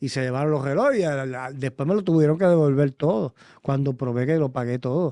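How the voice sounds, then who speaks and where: A man talks at a very fast pace with ordinary pitch variation. The sound is dry and close, with no echo. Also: fairly high pitch for a man. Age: 60s. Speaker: former senator. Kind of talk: interview testimony. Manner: animated.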